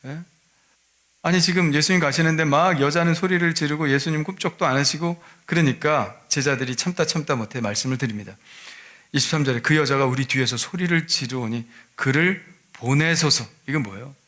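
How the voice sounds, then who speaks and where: Korean pastor preaching, lively storytelling. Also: male voice, a little high, a little fast. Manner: storytelling, rhetorical questions to the congregation. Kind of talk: sermon.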